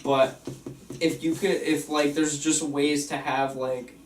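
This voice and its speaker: A man's voice: fairly high pitch, flat delivery, slow pace. Tentative man, distant in an echoey room. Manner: tentative, hedging suggestions. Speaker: participant giving script feedback. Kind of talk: casual chat. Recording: roomy, distant, faint background noise.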